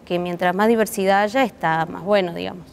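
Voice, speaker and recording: A puppet theatre artist with a Córdoba Argentine accent answers interview questions conversationally, pausing to search for words and rephrasing as she goes. Her voice is fairly low and gravelly, and she talks a little fast.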